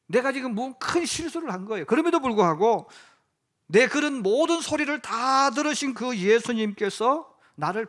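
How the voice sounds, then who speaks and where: A man's voice: very high voice, a bit bright. A middle-aged man preaching a sermon as pastor, acting out quoted lines in dramatic voices.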